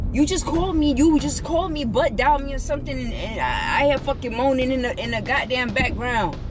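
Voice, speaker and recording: Over clear music in the background, a woman speaks at a fairly quick pace, the sound dry with no echo. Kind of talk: heated phone argument. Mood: agitated, suspicious. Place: car. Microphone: camera far.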